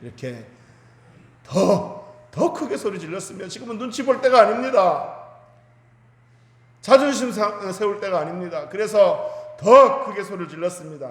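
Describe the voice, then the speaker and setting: A man's voice: high-pitched, animated, moderate pace. A man preaching a Sunday sermon as pastor, retelling a Bible story with emphatic, rising delivery. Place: church sanctuary. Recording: echoey church hall with long reverb.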